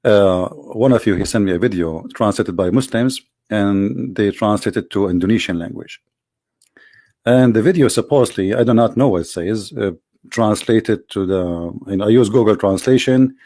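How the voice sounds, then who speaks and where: A man with a tired voice giving hesitant casual commentary as a video host, clearing his throat and pausing with fillers. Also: fairly low pitch, dark tone, no echo, studio quality.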